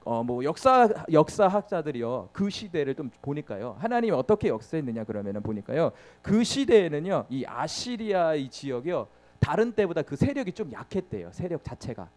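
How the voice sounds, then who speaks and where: A preacher with a voice on the high side speaks at normal speed, very animated and a little mellow, hardly pausing. He addresses questions to his congregation and answers them himself, acting out the story through sound words and frequent laughs.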